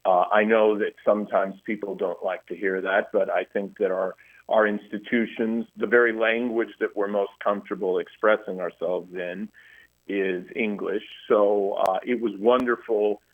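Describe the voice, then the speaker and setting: Middle-aged male guest on a tinny phone line, low voice, earnest, halting. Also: steady tone. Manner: earnest, halting with many restarts. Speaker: guest historian. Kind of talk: radio interview by phone.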